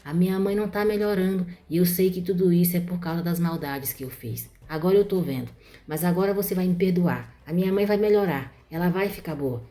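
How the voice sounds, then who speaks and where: A woman's voice: lowish voice, fairly quick, warm tone, lightly acted. A woman voicing a young woman who confesses and begs her sister's forgiveness, in a pleading tone. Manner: pleading, remorseful.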